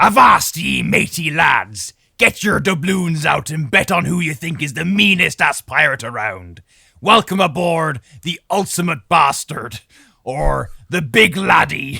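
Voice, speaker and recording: Doing a put-on character voice, a man speaks raspily at a fairly high pitch and a fairly slow pace on a very clean recording with a silent background. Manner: theatrical, jolly.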